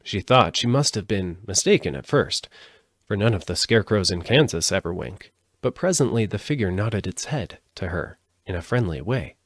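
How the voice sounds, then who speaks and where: A man's voice: fairly low pitch, lively intonation, moderate pace, dry recording, studio quality. A man narrating a storybook aloud as a live audiobook reader.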